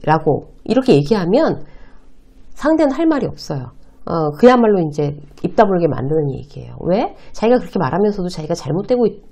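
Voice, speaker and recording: A middle-aged woman teaches workplace communication in a lively video lecture. Her pitch swings up and down freely as she speaks straight to her viewers. She switches into short acted-out lines when she quotes someone. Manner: animated, addresses viewers directly and acts out quoted lines.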